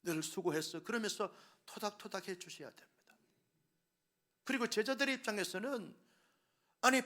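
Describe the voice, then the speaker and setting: A middle-aged pastor preaching with a high, bright voice. He tells the story like a drama and acts out the voices. He drops to hushed whispers, then rises to loud cries. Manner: swings between hushed whispers and loud exclamations. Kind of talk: sermon.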